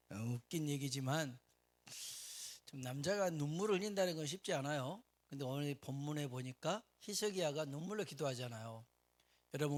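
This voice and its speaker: A middle-aged man preaching a sermon as pastor, telling stories in a lively way and acting out the people in them. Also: on the high side. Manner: lively storytelling, acting out characters. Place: church sanctuary.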